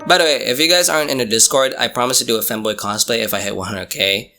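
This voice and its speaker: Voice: medium pitch, fast, pushed and bright. A young adult giving a crude, slangy, mock-dramatic comedic recap as a scripted video narrator. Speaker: YouTube manga reviewer. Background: music.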